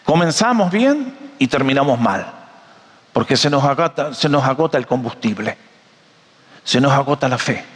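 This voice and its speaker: A man preaching a sermon, animated and joking, often asking his audience questions. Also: medium pitch, moderate pace, husky, big-room sound. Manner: animated, jokey storyteller, asks the audience questions.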